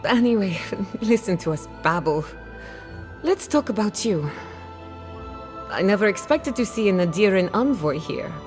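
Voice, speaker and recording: An actress playing a proud, sharp-tongued outcast woman scholar in dramatic video game dialogue, articulate, assertive and wry. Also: mid-range voice, close to an everyday voice. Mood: curious, wry.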